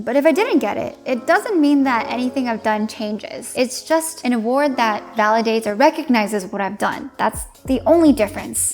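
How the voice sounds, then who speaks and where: A chatty young woman vlogging from her home, candid and quick to laugh. Her voice sits a bit high, and faint music plays underneath. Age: 20s. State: losing her voice. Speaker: content creator. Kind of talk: casual vlog talk.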